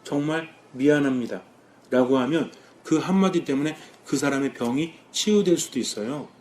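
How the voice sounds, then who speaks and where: A Catholic priest with a mid-range voice preaches a sermon at a normal speed. He asks the congregation questions and then answers them himself, delivering it all lively, his voice rising and dropping for emphasis.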